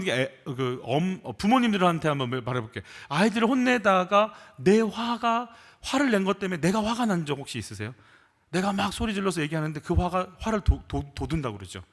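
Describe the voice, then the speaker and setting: A male pastor delivers a sermon with a lively, swooping delivery and a fairly high voice. He talks to the congregation conversationally, throwing out rhetorical questions. He builds to emphatic bursts when he voices people's complaints. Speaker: senior pastor.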